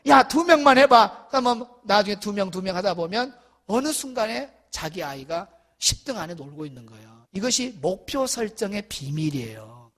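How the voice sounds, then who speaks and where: A middle-aged man from South Korea, a pastor giving an animated seminar lecture to church teachers, acting out dialogue and shouting at the peaks. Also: high voice, normal speed.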